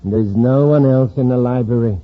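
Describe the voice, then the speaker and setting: A man's voice: medium pitch, normal speed, natural voice. A man playing a scheming criminal gang boss in an old radio drama, curt and commanding. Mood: menacing. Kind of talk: 1950s radio drama acting. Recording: dull lo-fi old radio recording.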